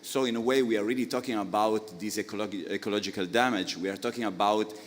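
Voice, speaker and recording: Italian guy on a panel, kinda low voice, lots of uhs, echoing conference hall. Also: steady tone. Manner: explanatory, halting with many filler sounds. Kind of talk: panel discussion answer.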